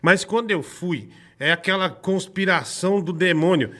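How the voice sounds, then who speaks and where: A man's voice: high voice, normal speed. A man in his thirties with a Brazilian accent, telling a personal story in casual podcast chat, swearing freely and acting out what people said. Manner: animated, swearing, acts out quoted voices.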